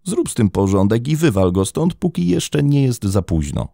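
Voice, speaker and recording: Guy reading as a sharp suspicious young woman, accusing, pitch jumping all over. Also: very animated, moderate pace, vocal fry, no echo, studio quality. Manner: accusing, urgent.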